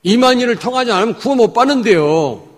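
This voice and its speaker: Husky male pastor in an echoey hall. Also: very high-pitched, animated, fast talker. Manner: emphatic, swinging between loud and hushed asides. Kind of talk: sermon.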